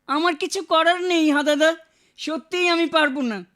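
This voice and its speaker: A woman's voice: very high-pitched, moderate pace, fairly bright tone. A woman voicing a small, earnest little boy in a cartoon, put-upon and plaintive, polite but stubborn. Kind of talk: Bengali cartoon character dialogue.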